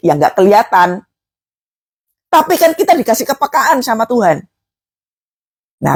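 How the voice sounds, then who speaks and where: Husky woman preaching. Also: on the high side. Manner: emphatic, exhorting, frequent filler tags. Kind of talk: sermon.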